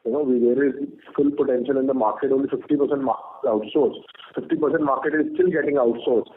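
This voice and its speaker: A man's voice: mid-range voice, steady tone, quick pace. A man with an Indian accent answering questions as a company executive on an earnings call, firm and given to repeated filler phrases. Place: conference call by phone. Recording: tinny phone line with noise.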